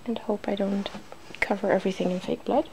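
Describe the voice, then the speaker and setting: A woman hosting an ASMR makeup demonstration, speaking softly and casually, often slipping into a whisper. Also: mid-range voice, fairly even intonation, brisk, vocal fry, slight background noise, low-quality recording. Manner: hushed, drifting into whispers. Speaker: ASMR video host.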